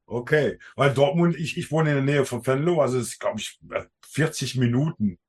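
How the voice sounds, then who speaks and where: A man's voice: mid-range voice, normal speed, slightly rough. A man from the Netherlands with a Dutch accent, a native Dutch speaker hosting a podcast in casual talk, searching for words with small grammar slips. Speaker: podcast host.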